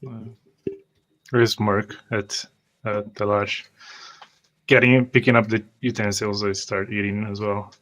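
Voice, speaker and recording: Male roleplay gamer, lowish flat voice, stating his character's actions in first person. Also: measured pace, long pauses. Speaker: tabletop game player.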